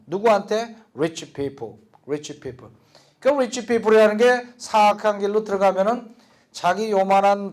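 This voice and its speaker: High-voiced older man teaching English. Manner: lively, jokey, repeats words for drill. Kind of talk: Bible-based English speaking lesson.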